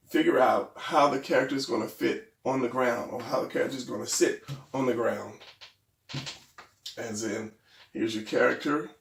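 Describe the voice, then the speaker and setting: Male drawing instructor, gravelly and a bit stuffy, rambling and hesitant, recorded off-mic in a roomy space. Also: mid-range voice, distant mic, slight background noise. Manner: hesitant, rambling, self-deprecating. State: losing his voice, a little stuffy. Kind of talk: casual drawing tutorial.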